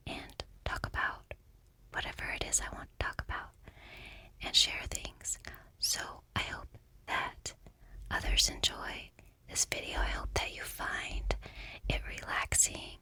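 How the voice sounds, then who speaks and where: A middle-aged woman, quiet and soft-spoken, whispering gently in an ASMR talk and reading a book aloud. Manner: gentle, unhurried, soothing. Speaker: ASMR creator.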